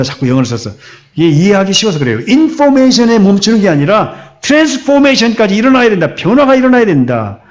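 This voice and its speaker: A man preaching a sermon as pastor, asking rhetorical questions and acting out the story. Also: sits high. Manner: animated, acts out the story in quoted voices, asks rhetorical questions. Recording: dull lo-fi recording.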